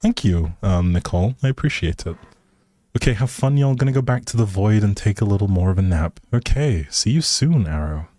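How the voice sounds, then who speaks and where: Low-voiced man chatting on a livestream. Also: expressive, brisk, warm tone, dry recording. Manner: chatty, informal, addresses viewers directly. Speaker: livestream host. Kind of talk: casual livestream chat with viewers.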